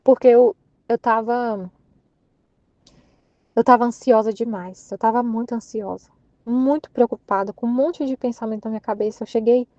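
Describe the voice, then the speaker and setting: A woman's voice: fairly high pitch, steady tone, mellow, dry recording, dull audio. A woman with a Brazilian Portuguese accent sharing a personal testimony in a casual, earnest way, often restarting her sentences. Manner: earnest, halting, repeats herself while searching for words. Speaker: prayer group member sharing testimony.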